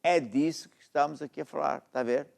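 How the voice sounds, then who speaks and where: A middle-aged man with a European Portuguese accent, an apostle, preaches a sermon that ends in a closing prayer over his listeners. He exhorts them, often asking "está a ver?" His voice sits on the high side, steady in tone and fast, with vocal fry and a slightly mellow quality.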